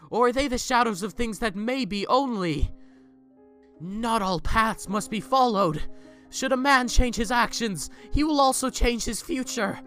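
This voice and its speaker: A proud rich man brought to repentance, acted by a man, in a high-pitched, forceful voice. He speaks with theatrical, pleading intensity, as in an audio drama, over faint music. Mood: apprehensive.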